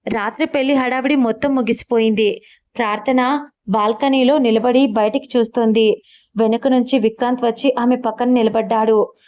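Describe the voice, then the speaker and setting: A woman's voice: on the high side, fairly even intonation, normal speed, highs cut off. Woman narrating a love story.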